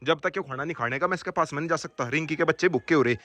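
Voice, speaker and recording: A man, talking casually to his viewers while he walks his dog farm and shouts to his dogs. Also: on the high side, racing, no echo. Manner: calls out loudly to his dogs. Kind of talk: casual vlog commentary.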